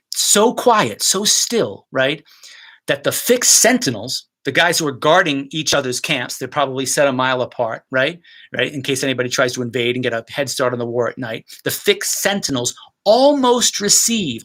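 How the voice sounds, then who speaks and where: A man teaching Shakespeare's language with enthusiasm, slowing down to savor the words and often checking in with his listeners. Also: medium pitch, fairly bright tone. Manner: keeps checking in with "right?". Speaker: theater educator. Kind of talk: lecture on Shakespeare verse.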